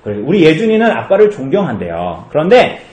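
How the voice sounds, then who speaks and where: A male pastor giving a children's sermon, asking the kids questions and answering them in a lively way. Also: fairly high pitch, a little fast, roomy sound. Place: church.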